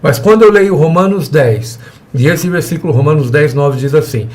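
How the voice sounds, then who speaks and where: A man's voice: a little high, moderate pace. Man teaching a church evangelism seminar. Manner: conversational, quotes imagined dialogues with people.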